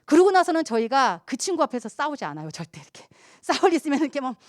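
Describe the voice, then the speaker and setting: Lively, high-voiced woman pastor preaching. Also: fast talker, no room sound, studio quality. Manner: animated storytelling, acting out quoted friends. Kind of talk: youth sermon.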